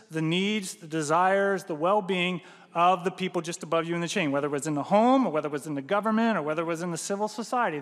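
The sermon comes from an animated pastor in his thirties whose voice runs notably high for a man. Wearing a headset mic, he gestures widely and frequently asks "right?", and his words linger in the long reverb of the large church hall.

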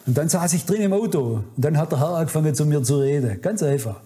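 A man's voice: on the high side, animated, quick pace, warm tone. A man preaching a sermon at a conference, fervent and admonishing, speaking straight to his listeners. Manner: fervent, admonishing, addresses audience directly. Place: conference hall.

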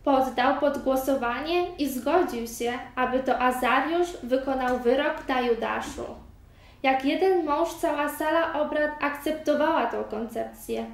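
A woman narrating a story in a steady, even reading voice. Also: high-pitched, measured pace, gravelly. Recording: very echoey room, far from mic.

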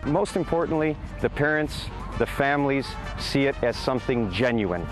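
A man speaking earnestly and in a measured way in an outdoor interview. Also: medium pitch, expressive, music in the background, rough recording.

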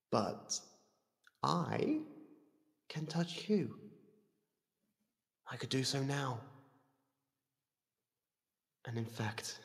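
Man voicing a slow, menacing ancient void entity. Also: medium pitch, creaky, full character voice. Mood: scornful, menacing. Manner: slow, deliberate, condescending. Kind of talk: ASMR monologue roleplay. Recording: cavernous long reverb.

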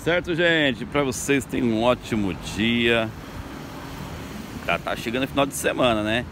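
This medium-pitched man from Brazil talks at normal speed, a chatty local tour guide vlogging by traffic on a beach boardwalk at sunrise. His casual narration is upbeat and directed at viewers, captured on an outdoor phone recording with traffic noise.

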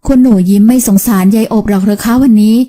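A woman's voice: medium pitch, fast, dark tone, close to an everyday voice. A woman voicing an older, devoted household maid who speaks politely and coaxingly to the family, in an audiobook. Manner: polite, coaxing, servant's deference.

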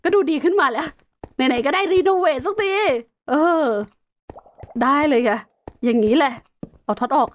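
A woman's voice: high-pitched, expressive, normal speed, long pauses, a little hiss or hum. A woman chatting casually while playing a building game, narrating her moves with playful sound-effect words. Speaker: gaming streamer. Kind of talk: casual Minecraft gameplay commentary.

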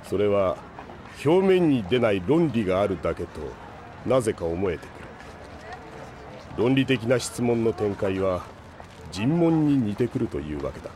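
A man playing a stoic, reflective older man with formal, deliberate phrasing in an audio drama. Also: lowish voice, big pitch swings, warm tone, a little hiss or hum. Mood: stoic, pensive. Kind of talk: anime-style audio drama acting.

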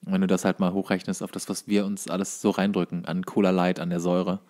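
A man's voice: low-pitched, flat delivery, fast, a little mellow. A man in casual podcast banter, joking, interjecting and explaining things loosely. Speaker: podcast co-host.

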